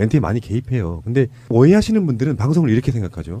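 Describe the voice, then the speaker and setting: At a very fast pace, a man speaks in a dark, mellow tone with very wide pitch swings. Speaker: podcast host and producer. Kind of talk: casual panel chat. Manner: fast, sometimes stumbling.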